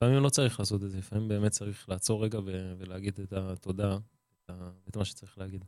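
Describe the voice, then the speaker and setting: A man's fairly low, dark and mellow voice at a very fast pace, with long, frequent pauses, fairly even intonation, and a very clean recording over a silent background. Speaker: youth radio host. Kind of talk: radio interview.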